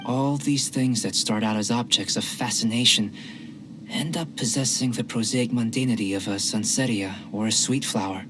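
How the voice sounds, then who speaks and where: An actor playing a calm, curious young male alchemist in a video game, speaking formally and precisely. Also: medium pitch, normal speed, background noise, close to an everyday voice. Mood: thoughtful. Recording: game music behind the voice.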